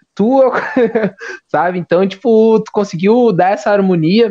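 A man's dark, mellow tone at a moderate pace, lively in intonation, in a dry, close sound with no echo. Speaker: podcast host. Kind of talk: casual interview on live stream.

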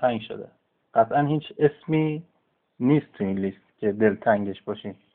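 Ordinary pitch variation runs through this man's fairly quick delivery. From Iran, Shiraz. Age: 20s. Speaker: football fan podcast host. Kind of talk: casual chat.

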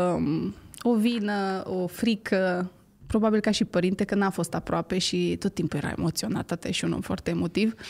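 Ordinary pitch variation and a moderate pace in an ordinary speaking voice. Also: woman. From Romania, Bistrița-Năsăud (Beclean). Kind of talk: casual interview chat.

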